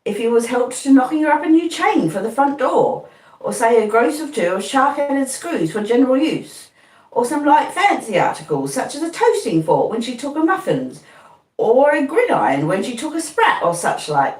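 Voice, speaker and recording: A woman doing a slow, earnest blacksmith. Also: sits high, very animated, darkish tone, voice pushed up. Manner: plodding rustic speech, earnest and repetitive. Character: kindly slow-spoken blacksmith man, middle-aged. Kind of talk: audiobook reading. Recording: roomy, distant mic.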